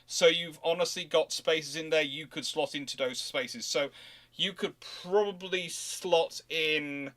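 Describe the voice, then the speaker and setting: Man, slightly raised pitch, livestream host, thinking aloud, stop-start explanations. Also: fairly even intonation, fairly bright tone, dry recording. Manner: halting, thinking aloud, self-correcting. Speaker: livestream host answering viewer questions. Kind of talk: unscripted naval history Q&A talk.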